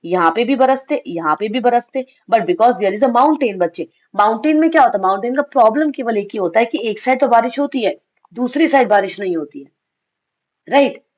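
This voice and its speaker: A woman from India with a fairly high, expressive, darkish voice speaks a little fast. She's leading an exam revision lesson despite a slightly sore throat, posing questions and answering them herself, blending in English phrases and calling her students kids.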